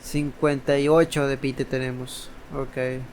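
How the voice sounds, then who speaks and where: A man's voice: medium pitch, little pitch movement, moderate pace, a little mellow, a little hiss or hum. A man with a Latin American Spanish accent giving casual, rambling gameplay commentary and often correcting himself. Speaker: gaming video host. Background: game music.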